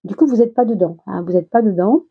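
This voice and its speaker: A woman giving a casual tarot reading to her viewers, chatty and reassuring with many little restarts, her words a bit slow while she gets over a minor illness. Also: medium pitch, animated, breathy edge, narrow, tinny audio. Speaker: tarot reader.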